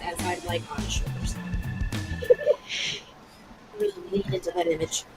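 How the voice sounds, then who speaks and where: A woman's voice: lowish voice, huge pitch swings, normal speed, faint music behind, low-quality recording. A woman playing in a tabletop game, describing her character playfully. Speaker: player. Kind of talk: casual chat.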